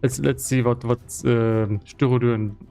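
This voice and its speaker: A man talking casually and explaining on a livestream, thinking aloud in a halting way, with as his language. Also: mid-range voice, fairly even intonation, gravelly, dark tone, faint music behind. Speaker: game developer streaming live. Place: indoor room with foam acoustic padding.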